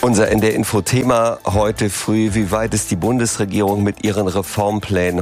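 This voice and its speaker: A man presenting a morning news radio show, with brisk announcer-like delivery. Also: deep voice, gravelly.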